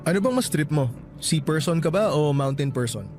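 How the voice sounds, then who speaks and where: Actor as an easygoing, higher-pitched young romantic lead. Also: male voice, expressive, normal speed, darkish tone, lightly acted. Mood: chatty. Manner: casual, teasing. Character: teasing, easygoing young man courting a woman. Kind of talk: radio romance drama dialogue. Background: music.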